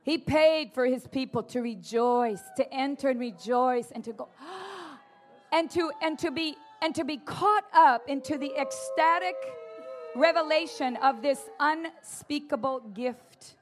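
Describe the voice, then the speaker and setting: A woman preaches with a very high, bright voice and an unhurried, drawn-out delivery. She is animated and playful, mimicking her listeners and breaking into shouts and laughter as she drives home her points. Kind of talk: lively charismatic sermon.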